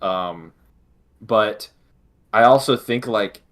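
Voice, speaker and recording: A man's voice: on the low side, slow, a bit bright. A man co-hosting a casual discussion, thinking aloud and often rephrasing as he goes. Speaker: podcast co-host.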